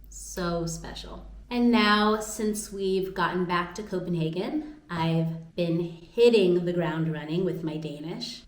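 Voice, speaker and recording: American woman, lowish voice, roomy sound. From United States, Atlanta, Georgia. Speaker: vlogger. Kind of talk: personal vlog narration. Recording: roomy echo with music underneath.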